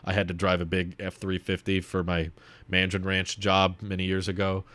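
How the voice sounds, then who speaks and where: A man in his twenties with a low-pitched voice hosts a casual stream. He thinks aloud as he reads and answers viewer comments. The sound is dry and close, from a desk microphone in a home studio. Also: monotone, normal speed, a bit bright, no echo. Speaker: video host reading and answering viewer comments. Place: small home room set up as a streaming studio, indoors. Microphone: desk microphone on a boom arm, close.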